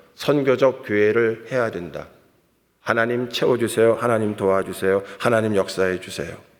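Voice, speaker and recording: In a normal speaking voice, a man talks at medium pitch and a moderate pace with ordinary pitch variation. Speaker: pastor. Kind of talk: sermon. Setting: church revival service.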